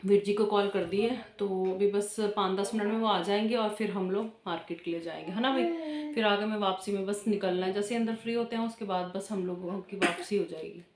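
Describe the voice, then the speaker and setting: A woman's voice: mid-range voice, steady tone, fairly quick, a little mellow. A woman, chatting casually at home for a family vlog into a phone camera. She rambles on and laughs between sentences. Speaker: family vlogger. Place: at home indoors. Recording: echoey room.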